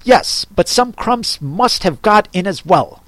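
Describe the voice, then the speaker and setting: A man voicing a fussy, contrary hatter who grumbles and talks down to others in quick bursts. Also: high voice, big pitch swings, no echo, pitched above the performer's own voice. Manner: grumbling, contemptuous, quick talker.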